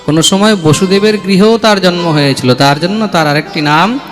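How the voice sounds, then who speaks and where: A male preacher delivers a devotional sermon, chanting verses and calling for responses from his listeners. His voice sits high and moves at normal speed, recorded in a reverberant hall with music.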